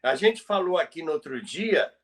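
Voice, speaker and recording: A man with a Brazilian accent co-hosts a conversational podcast, giving radio-style history commentary. His fairly high voice is expressive and a bit bright at a moderate pace, and he explains things emphatically, repeating phrases for emphasis.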